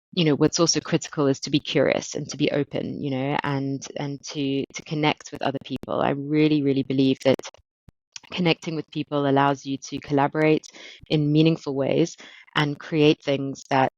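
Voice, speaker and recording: A woman's voice: low-pitched, darkish tone, dry recording, dull audio. A woman from South Africa in her thirties, a marketing director answering interview questions thoughtfully, often repeating words as she finds her phrasing.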